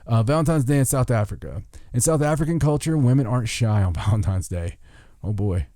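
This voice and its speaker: This podcast host reads a list aloud in a folksy manner, tossing in joking asides and stumbling over foreign words. His medium-pitched, mellow voice has lively intonation and a slightly fast pace, captured in studio quality with no room sound.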